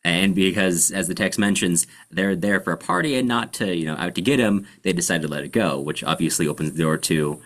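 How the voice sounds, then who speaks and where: Male podcast host, deep voice, casual explanatory delivery with halting searches for the right word. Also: fairly bright tone. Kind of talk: casual book discussion.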